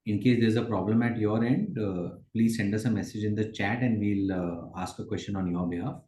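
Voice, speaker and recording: A man moderates a business call politely and formally. His voice is fairly low and mellow, and the sound is noticeably roomy and echoing. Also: steady tone, a little fast. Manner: polite, procedural. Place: online conference call.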